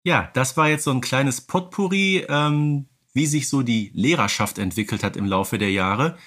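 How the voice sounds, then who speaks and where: Casual mid-pitched male podcast host. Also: normal speed, fairly bright tone. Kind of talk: casual fan discussion.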